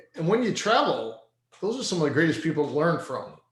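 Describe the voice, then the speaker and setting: A man in a Texan accent with audible room echo. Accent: Texan American English. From Texas. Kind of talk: interview storytelling.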